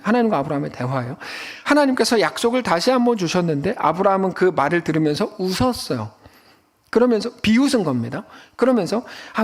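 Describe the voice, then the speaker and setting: A male pastor giving a Sunday sermon in a church, in a lively conversational way with acted-out quotes. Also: high voice. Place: church sanctuary.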